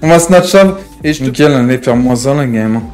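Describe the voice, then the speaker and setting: A man's voice: medium pitch, animated, a little fast, a little mellow, faint music behind, close to an everyday voice. A man playing a hot-headed, menacing gang member in an improvised online crime roleplay, talking in slang with repeated verbal tics. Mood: agitated, bossy.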